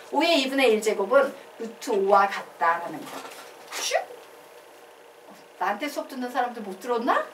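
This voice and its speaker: A woman math teacher giving a classroom lecture, animated and quizzing her students as she explains. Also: on the high side, reverberant, distant mic, a little hiss or hum. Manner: animated, asks the class questions and drills answers.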